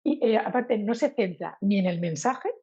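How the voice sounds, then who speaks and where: Lively Spanish teacher from Spain, husky. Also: female voice, medium pitch, moderate pace, dull audio. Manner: animated, acts out examples with sung intonation. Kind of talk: casual interview talk.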